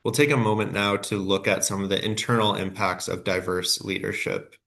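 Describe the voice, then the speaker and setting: A man with a cold presents a webinar workshop from prepared slides. His voice sits on the low side and sounds nasal, and he hesitates often, correcting himself mid-sentence as he goes. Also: steady tone, vocal fry, fairly bright tone. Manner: halting, with frequent fillers and self-corrections.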